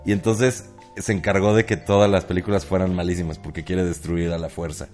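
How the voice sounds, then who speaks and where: Low-voiced joking Mexican man. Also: flat delivery, brisk, a little mellow, faint music behind. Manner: joking, laughs often, slips into impressions. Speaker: podcast co-host. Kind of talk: casual comedy chat.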